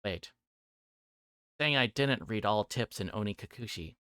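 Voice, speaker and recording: A man chatting casually as he hosts a game livestream, halting and rambling and often trailing off. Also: on the low side, sharp tone, smooth, no room sound, clean studio sound. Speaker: livestream host playing a visual novel.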